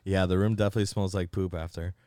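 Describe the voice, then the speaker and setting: A man's voice: low voice, level tone, very fast, dark tone, clear, resonant tone, dry recording. A young man co-hosting a casual podcast, joking crudely and laughing a lot. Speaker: podcast co-host. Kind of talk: casual chat.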